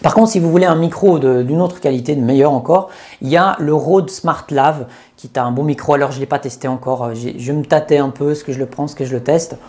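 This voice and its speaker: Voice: mid-range voice, fairly quick, few pauses, mellow. A YouTuber reviewing gear in a chatty, step-by-step way with many hesitations, speaking into a lapel mic. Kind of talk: casual tech review. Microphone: lapel microphone.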